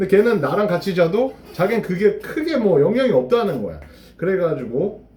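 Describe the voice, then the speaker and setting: A high-pitched male voice, dark and mellow in tone, with very wide pitch swings. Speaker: vlogger. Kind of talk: casual monologue vlog.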